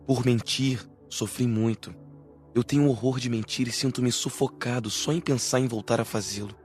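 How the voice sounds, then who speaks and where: Guy playing remorseful anxious gent confessing earnestly, audiobook drama, mid voice, soft music behind. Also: medium pitch, fairly even intonation, moderate pace, close to an everyday voice. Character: remorseful gentleman spirit, a recovering liar, anxious.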